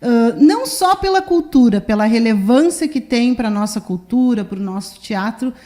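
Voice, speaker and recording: High-voiced effusive interview host. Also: female voice, normal speed. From southern Brazil. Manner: effusive and admiring, lively interjections. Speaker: journalist, host. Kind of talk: warm interview hosting.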